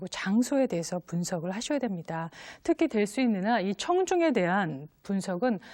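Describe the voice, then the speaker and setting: Speaking at a moderate pace, a woman with medium pitch makes very wide pitch swings, recorded very cleanly against a silent background with a dry, close sound and no echo. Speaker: lecturer. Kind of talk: lecture.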